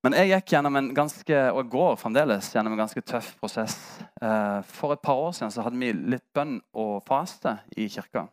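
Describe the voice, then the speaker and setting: A man's voice: mid-range voice, hardly any pauses. Candid male pastor. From Norway. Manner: candid storytelling with self-mocking humor. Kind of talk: sermon.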